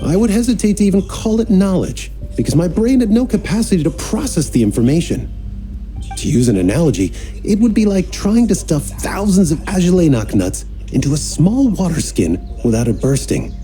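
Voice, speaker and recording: A man playing an earnest, flustered young temple member in a video game, speaking formally with halting apologies. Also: high voice, big pitch swings, mellow, soft background music. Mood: earnest, troubled.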